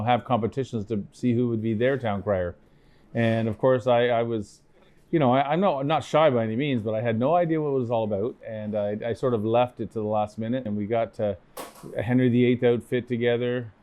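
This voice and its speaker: A man's voice: medium pitch, warm tone. An older man with a Canadian accent telling anecdotes in a casual interview, rambling and repeating phrases as he recalls. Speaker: town crier being interviewed.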